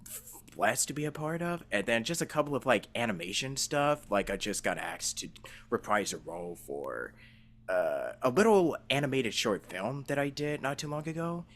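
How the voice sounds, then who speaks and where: A man's voice: medium pitch, lively intonation, moderate pace, a bit bright. A man in a casual chat who rambles, restarts his thoughts and laughs easily. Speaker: voice actor and show host.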